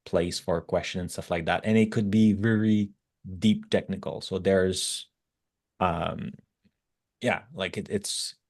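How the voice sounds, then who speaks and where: French accent guy, kinda low voice, chatting tech stuff as a guest, bit halting. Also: husky. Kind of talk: casual technical talk.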